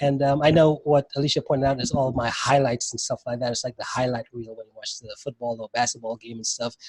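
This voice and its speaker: A man at a medium pitch, talking at a very fast pace with hardly any pauses, monotone and flat in intonation, with big swings in loudness and a dry, close sound with no echo. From Caribbean, Saint Lucia. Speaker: entrepreneur. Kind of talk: interview. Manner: hesitant, many fillers and repetitions.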